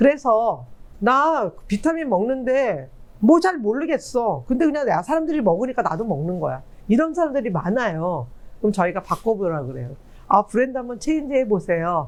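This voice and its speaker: At a moderate pace, a man talks in an extremely high pitch with very wide pitch swings. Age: 60s. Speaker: network marketing distributor. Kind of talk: sales seminar talk. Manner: animated.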